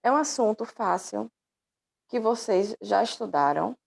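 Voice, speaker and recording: A woman teacher leads an online lesson, her mid-pitched voice carrying a gravelly edge. She explains patiently, checks in with her pupils and calls them dear. It sounds like a laptop microphone. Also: animated, unhurried. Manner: affectionate, calls students "dear". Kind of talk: online class lecture.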